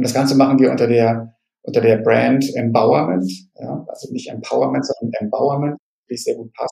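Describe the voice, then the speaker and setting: A man's fairly quick delivery with big swings in loudness. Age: 50s. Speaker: company CEO. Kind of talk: interview. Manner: hesitant, many filler sounds.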